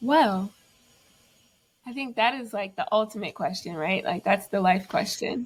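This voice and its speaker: With long, frequent pauses, a woman speaks at a moderate pace in a fairly high, somewhat breathy voice with lively intonation. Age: 30s. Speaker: filmmaker and photographer. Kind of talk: casual interview chat.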